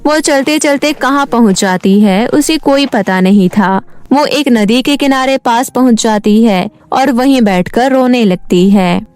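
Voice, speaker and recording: A woman's voice: fairly high pitch, a little slow, hardly any pauses, a little mellow, smooth, no echo. A woman giving scripted narration for a cartoon fairy tale.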